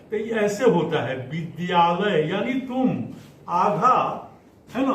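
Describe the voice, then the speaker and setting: A man teaching a class, explaining a Sanskrit text word by word, repeating terms slowly and checking understanding often. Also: sits high, far from the mic. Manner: slow, repeats words, frequent 'है ना' checks. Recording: echoey room, voice from away from mic, faint hiss.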